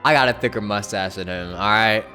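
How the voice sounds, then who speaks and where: A man's voice: lowish voice, brisk, bright, forceful tone, faint music behind. A man live-streaming a game with casual, sweary, joking commentary to his chat, often exclaiming.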